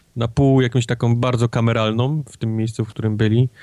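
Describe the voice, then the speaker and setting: A man speaks with a Polish accent. His tone is dark and mellow. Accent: Polish accent when speaking English. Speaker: podcast co-host. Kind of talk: casual chat.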